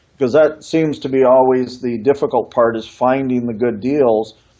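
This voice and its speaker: The man has an unremarkable speaking voice at medium pitch. His intonation stays fairly even. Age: 60s. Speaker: real estate investor. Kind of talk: podcast interview.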